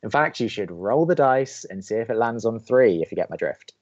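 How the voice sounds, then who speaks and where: A man playing a cynical, grumpy young college radio co-host in an audio drama, with sardonic, deadpan, exasperated banter. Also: fairly low pitch, a little fast, highs cut off, natural voice. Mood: dry, sardonic. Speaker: actor in a romantic comedy podcast.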